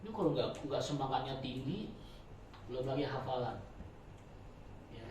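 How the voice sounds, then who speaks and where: A man teaching a religious study circle in a chatty, joking sermon style, swinging between loud and soft. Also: medium pitch, animated, normal speed, slight background noise. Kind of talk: informal sermon. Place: prayer room. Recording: very echoey room, voice from far off.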